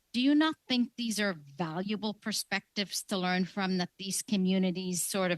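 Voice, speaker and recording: A woman with a medium pitch talks at a moderate pace, with hardly any pauses. Her pitch variation is ordinary, and the sound is dry and close with no echo. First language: not English. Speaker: member of parliament on committee. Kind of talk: committee hearing questioning.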